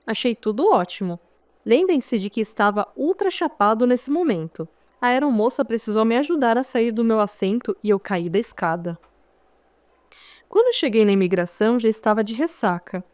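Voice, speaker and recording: Dry, higher-voiced Brazilian woman narrating. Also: darkish tone, no echo. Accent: Brazilian Portuguese. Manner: conversational storytelling, wry asides to the listener. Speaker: audiobook narrator. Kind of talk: first-person memoir audiobook narration.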